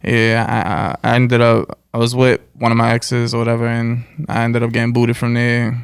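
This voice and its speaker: An American man chats as an interview guest in a loose, slangy way. His voice has a gravelly edge but stays smooth, and his pitch moves little. The sound is close and dry. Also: completely flat delivery, moderate pace, no echo. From United States. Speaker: interview guest, musician and producer. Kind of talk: casual chat, slangy.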